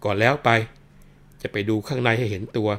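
A man voicing a gruff police officer who shouts rough threats. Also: on the low side, steady tone, normal speed, natural voice. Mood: bellowing.

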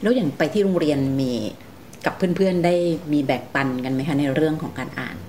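Lower-pitched woman hosting an interview. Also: expressive, brisk. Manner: gently prompting, calls herself "big sister" to young guests. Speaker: radio programme host interviewing two young sisters. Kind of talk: conversational interview. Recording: faint background noise.

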